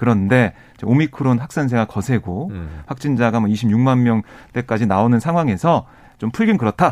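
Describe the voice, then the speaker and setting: A man speaks at a medium pitch with lively intonation in a plain, everyday voice, on a very clean recording with a silent background. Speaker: journalist. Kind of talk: news discussion panel. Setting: radio studio.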